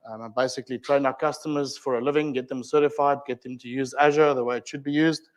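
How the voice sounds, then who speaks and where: A man with a South African accent, a mid-range voice, and a steady tone speaks at a quick pace during an informal tech presentation at a community meetup. He's chatty, with plenty of ums and uhs and asides to the audience.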